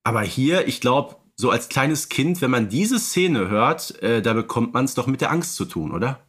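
A man's voice: mid-range voice, very animated, normal speed, fairly bright tone, breathy edge. A man co-hosting a podcast, reeling off detailed background facts in casual chat, with many filler sounds. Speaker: podcast co-host. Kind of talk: casual fan-expert chat.

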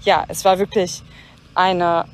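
A woman's voice: on the low side, little pitch movement, slow, a little hiss or hum. A woman in her twenties, a podcast listener, giving a prepared recorded message. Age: 20s.

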